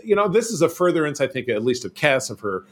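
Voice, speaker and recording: Lively, chatty man reviewing episodes. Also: a little high. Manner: animated, chatty, mimics characters in quick asides. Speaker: podcast co-host. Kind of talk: casual chat reviewing TV episodes.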